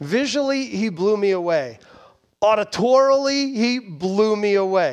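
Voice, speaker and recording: A man's high-pitched voice with lively intonation, at a fairly slow pace, with audible room echo. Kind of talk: sermon.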